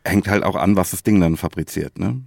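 A man's voice: low-pitched, fairly quick, gravelly, a little mellow, dry recording, clean studio sound. A man chatting casually as a podcast co-host, laid-back and colloquial, often tagging phrases with a questioning filler.

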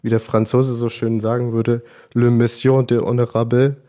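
A man's voice: medium pitch, level tone, normal speed, dark tone. A man chatting casually and informally about video games as a podcast guest, using youthful slang. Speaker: podcast guest presenting his favourite games.

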